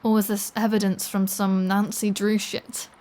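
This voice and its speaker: A woman's voice: mid-range voice, level tone, normal speed, darkish tone, close to an everyday voice. A woman playing a flirty, playful vampire with a threatening edge, in a teasing, sardonic ASMR audio roleplay. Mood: teasing, nosy. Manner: teasing, sardonic, lingering delivery. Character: flirty, playful, threatening adult female vampire toying with a hunter. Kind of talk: scripted ASMR audio roleplay, one-sided conversation.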